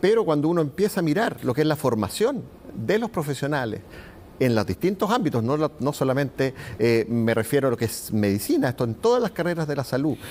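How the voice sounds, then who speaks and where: A man's fairly high voice with very wide pitch swings and very even loudness. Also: fairly quick pace. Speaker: geriatrician. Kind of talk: TV interview. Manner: formal.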